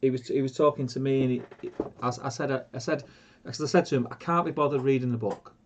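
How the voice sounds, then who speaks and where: A man's voice: mid-range voice, fast talker, dull audio, slight background noise. A man who sounds stuffed up with a cold, co-hosting a casual livestream and often restarting his sentences. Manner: hesitant, many restarts. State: congested, bunged up. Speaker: co-host.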